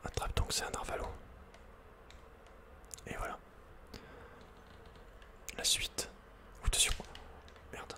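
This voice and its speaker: A man's voice: slow, long pauses, sharp tone. Whispering man, ASMR game commentary. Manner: casual, slangy muttering with mild swearing. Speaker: ASMR gaming streamer.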